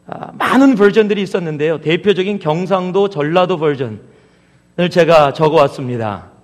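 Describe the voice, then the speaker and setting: Higher-voiced pastor preaching in a reverberant hall. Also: male voice, moderate pace. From Chungcheong Province, Korea. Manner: conversational, addresses the congregation with questions. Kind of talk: sermon. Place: church sanctuary.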